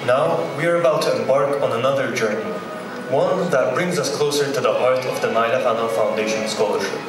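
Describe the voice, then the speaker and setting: A man's voice: mid-range voice, a little fast. A young man hosting a school award ceremony, formally reading from a card on stage. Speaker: ceremony host. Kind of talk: scripted ceremony announcing. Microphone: stand mic, far from the camera. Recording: echoey hall from far off, loud music.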